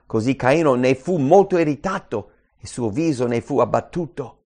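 A man's voice: mid-range voice, animated, moderate pace, mellow. A man preaching a sermon, reading scripture aloud and repeating key phrases with earnest emphasis.

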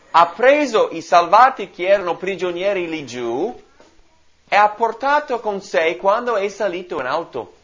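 A man's voice: fairly high pitch, a bit bright, slightly rough. A man teaching from the Bible in a sermon, explaining and asking his listeners questions. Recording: dull lo-fi recording.

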